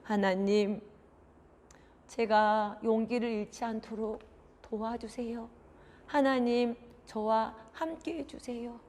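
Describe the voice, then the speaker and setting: A woman voicing a timid young girl who pleads softly and earnestly with her father in a children's story. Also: very high-pitched, steady tone, normal speed, voice pushed up. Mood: prayerful. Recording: long hall reverb.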